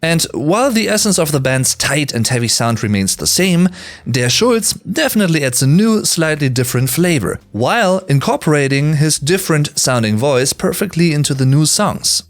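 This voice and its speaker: A man's voice: fairly high pitch, expressive, moderate pace. A man in his early thirties, a native German speaker, giving emphatic, conversational music commentary as a video host. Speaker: music reviewer, YouTube host. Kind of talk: scripted countdown commentary with casual asides.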